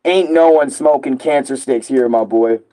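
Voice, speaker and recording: Talking to his stream viewers, a young gamer rants loosely through a hoarse throat, cursing and padding his speech with fillers. His voice is mid-range and dark, at a normal speed.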